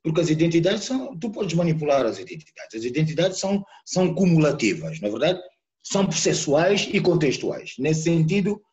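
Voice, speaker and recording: A Mozambican man with a Mozambican Portuguese accent, a poet and sociologist giving a reflective talk over a live video call, pausing to search for words. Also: fairly high pitch, big pitch swings, a little mellow, lo-fi sound. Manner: searching, repeats words while thinking. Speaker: guest speaker, poet and sociologist. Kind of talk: reflective lecture-style talk. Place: home, live online talk. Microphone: computer or phone mic on a video call.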